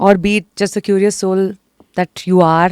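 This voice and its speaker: A woman with a Kannada accent speaks at medium pitch with a dark, mellow tone, recorded very cleanly with a silent background and a dry, close sound with no echo. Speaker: interviewer, channel host. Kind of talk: interview conversation. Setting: studio.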